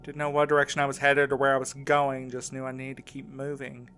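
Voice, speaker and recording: A man acting in an audio drama as a shaken, insistent man recounting a frightening ordeal in a halting, earnest way. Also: mid-range voice, monotone, a bit bright, a little hiss or hum, close to an everyday voice. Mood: shaken, urgent.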